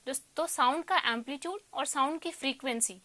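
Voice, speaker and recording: Female tutor, Indian accent, high pitch, didactic question-and-answer lecture delivery, dry sound. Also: a little fast, bright, forceful tone, no room sound. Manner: didactic, poses questions then answers them. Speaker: electronics tutor. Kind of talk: explanatory lecture mixing Hindi and English.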